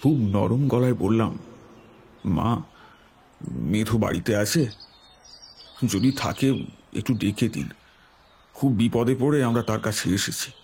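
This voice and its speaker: Low-voiced man narrating a horror story. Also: slow pace, gravelly, pauses often, darkish tone, slightly rough. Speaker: story narrator, telling it in the first person.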